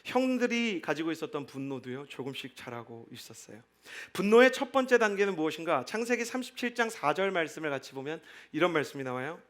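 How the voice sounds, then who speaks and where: A male pastor with a fairly high voice preaching to a young adult congregation. He talks in an easy, chatty way and keeps turning to the listeners with questions. He leads them in reading scripture aloud together. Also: big pitch swings, a little fast, hardly any pauses, a bit bright. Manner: conversational, asks the congregation questions.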